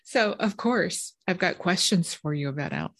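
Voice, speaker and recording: A woman's voice: lowish voice, animated. A woman co-hosting a podcast, playfully quizzing the others on movie trivia. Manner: playful quizmaster, unhurried. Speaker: podcast co-host running a trivia quiz. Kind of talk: casual chat.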